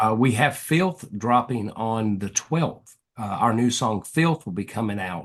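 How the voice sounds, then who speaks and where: This voice has a strong Southern US accent and lively intonation. It moves at a fairly slow pace with hardly any pauses. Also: man, medium pitch for a man. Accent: thick Southern US. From US South, mountains of North Carolina. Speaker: rock band singer. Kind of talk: podcast interview. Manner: halting, many restarts.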